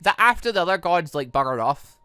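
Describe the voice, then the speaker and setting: A man's voice: on the high side, big pitch swings, fairly quick, pushed and bright, smooth, no room sound. A man hosting a gaming video, reading a visual novel aloud theatrically with commentary and stumbling over the odd line. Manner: theatrical, exclaiming, stumbling over read lines. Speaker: gaming channel host.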